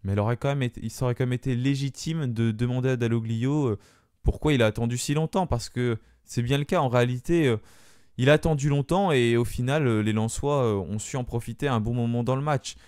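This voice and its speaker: A man's voice: medium pitch, fast talker, darkish tone, clear, resonant tone, dry recording. A man giving a solo spoken debrief of a football match, hesitant, with many fillers and restarts, into a close microphone. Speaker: fan channel host.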